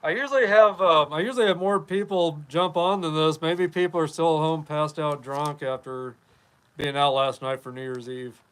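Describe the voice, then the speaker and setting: Here the Wyoming podcaster in his fifties speaks at a moderate pace with a fairly high pitch and fairly even intonation. His tone is fairly bright, clear and resonant, though the recording is rough. He rambles casually through viewer comments on his live stream.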